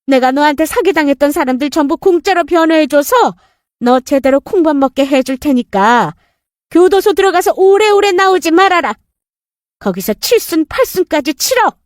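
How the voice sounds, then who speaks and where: A woman's voice: high-pitched, lively intonation, normal speed, no echo, studio quality, pitched above the performer's own voice. A woman voicing a stern mother-in-law in her sixties, a former lawyer, who scolds and threatens in a cutting tone. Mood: scornful.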